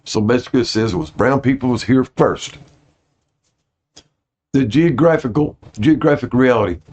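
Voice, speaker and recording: A man's voice: medium pitch, moderate pace, darkish tone. A man reading aloud to his viewers in an informal way, stumbling over some words and correcting himself. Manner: apologetic about his pronunciation. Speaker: host reading out notes to viewers. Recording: dull lo-fi audio.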